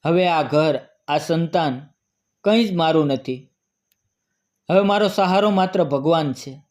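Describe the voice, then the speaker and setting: A grieving, proud old widow, as a male storyteller reads her lines. She speaks quietly and sorrowfully, a little high for a man's voice, in a plain storybook reading. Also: unhurried, close to an everyday voice. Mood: quiet resolve.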